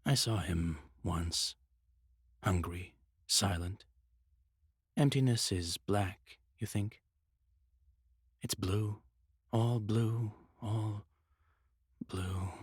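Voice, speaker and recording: Eerie, mournful mad mage: low, very slow, riddling and repetitive, for fantasy audio fiction. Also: male voice, breathy edge, no room sound, studio quality, full character voice. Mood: dreamy, morbid. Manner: broken, repetitive, riddling phrases. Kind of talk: dramatised audio fiction acting.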